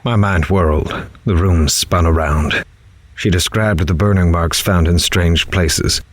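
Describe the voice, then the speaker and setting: A man's voice: sits low, unhurried, dry recording. A man playing a grave, horrified reporter in a horror audio drama, dramatically telling his story in the first person. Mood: grave dread. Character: horrified male reporter recounting an interview with a killer. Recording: music underneath.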